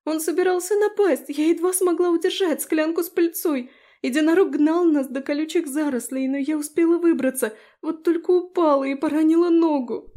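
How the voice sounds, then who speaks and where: A woman voicing a frightened, tearful young girl in a fantasy audiobook, high and plaintive. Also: fairly even intonation, moderate pace, mellow, close to an everyday voice. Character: girl Abi, young fairy-tale student, frightened and tearful.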